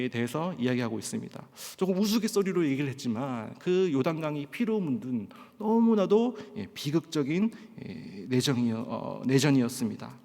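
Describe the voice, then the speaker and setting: A male pastor originally from Pohang, South Korea, gives a storytelling sermon at a Friday prayer meeting, acting out quotes and repeatedly dropping in a short "예" ("yes") as a filler. His fairly high, a little mellow voice speaks standard Korean, with the Gyeongsang dialect trained out. The church sanctuary lends long hall reverb.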